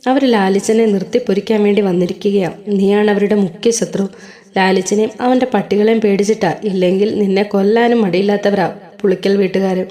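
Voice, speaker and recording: A woman's voice: medium pitch, fairly even intonation, brisk, warm tone, natural voice. A woman voicing a protective elderly man who gives grave, urgent warnings, in a Malayalam-style storybook reading.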